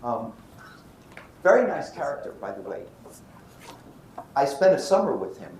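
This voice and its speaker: Lecturing on physics in a lecture room, a Brooklyn-born American man asks questions and answers them himself, weaving in anecdotes. He sounds on the high side, very animated and unhurried, with vocal fry and a darkish tone. Roomy echo and faint background noise fill the recording.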